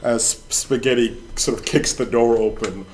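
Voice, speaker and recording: A man's voice: medium pitch, measured pace, a little hiss or hum. A man playing a character in a tabletop role-playing game, telling his moves with lots of laughter. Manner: laughing, animated storytelling. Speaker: player. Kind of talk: casual tabletop play.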